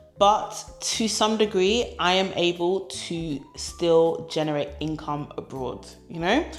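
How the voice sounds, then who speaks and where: A woman's fairly low voice at a very slow pace, with ordinary pitch variation, hardly any pauses and music in the background. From England. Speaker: content creator. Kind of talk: casual Q&A chat to camera. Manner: animated, conversational.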